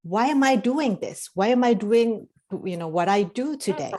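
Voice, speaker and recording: A woman's voice: medium pitch, lively intonation, normal speed, a little mellow. Rambling woman from Indonesia. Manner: rambling, many fillers and restarts. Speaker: life coach and hypnotherapist guest. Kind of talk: casual interview talk.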